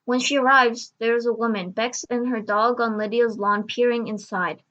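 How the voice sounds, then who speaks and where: A woman's voice: a little high, fairly even intonation, moderate pace, fairly bright tone, lo-fi sound. A woman reading scripted story narration as the narrator of an audio drama.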